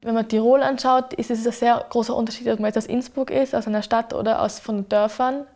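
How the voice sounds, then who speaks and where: A woman's voice: on the high side, little pitch movement, fairly quick, a little mellow. A young woman, a student, speaking casually as she answers an interview question. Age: young adult.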